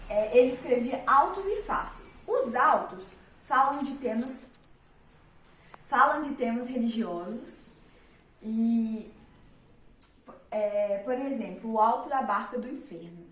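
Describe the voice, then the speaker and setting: A woman's voice: on the high side, animated, slow pace, long pauses, a bit bright. A young woman teaching a casual literature lesson, chatty, with many fillers and rhetorical questions. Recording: roomy, mic at a distance.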